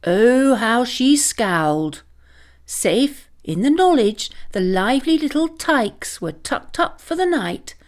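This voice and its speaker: A woman reading a scripted children's story aloud as a dramatic, expressive storyteller. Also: mid-range voice.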